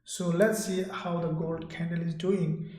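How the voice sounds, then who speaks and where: A man from Sydney, Australia, hosting a live trading stream, talking loosely and repetitively to his viewers and reading their chat out loud. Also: fairly high pitch, flat delivery, unhurried, reverberant.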